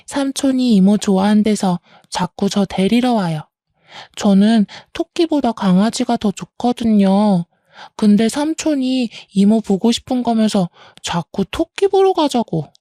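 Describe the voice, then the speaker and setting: Candid tattling little girl, played by a woman, soft-toned, dry sound, scripted story dialogue. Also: mid-range voice, expressive, measured pace, dry recording, close to an everyday voice. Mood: guileless tattling.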